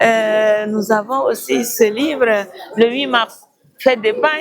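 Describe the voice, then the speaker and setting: With a Chadian accent, the speaker talks at a very slow pace with lively intonation and long, frequent pauses. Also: woman. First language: Mundang (speaking French). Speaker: author. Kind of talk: book presentation interview. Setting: book fair event.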